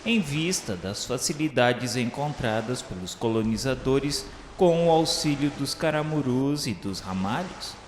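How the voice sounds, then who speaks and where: A man reads scripted historical narration in a formal, measured, declamatory way, like a solemn radio drama narrator. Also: mid-range voice, expressive, slight background noise. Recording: reverberant echoey hall sound with music. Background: music.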